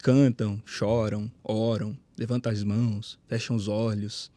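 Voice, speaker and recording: A man's voice: lowish voice, level tone, a little slow, warm tone, no room sound. A man with a Brazilian Portuguese accent, a pastor talking on a podcast, telling stories and acting out the voices in them. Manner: storytelling, acts out quoted voices, rises in emphasis. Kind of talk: podcast conversation, preaching.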